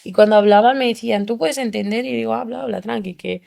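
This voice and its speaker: A young woman from Spain, a podcast guest, telling her story in an animated way and acting out the people she quotes. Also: fairly high pitch, fast talker, creaky. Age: young adult. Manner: animated, acts out quoted voices. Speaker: interview guest.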